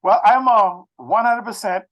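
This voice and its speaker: A man in his sixties from the Bahamas with a Bahamian accent, talking as an interview guest in a halting, circling way with repeated phrases. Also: high voice, fairly bright tone. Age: 60s. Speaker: interview guest, technology expert. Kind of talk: conversational autobiographical interview talk.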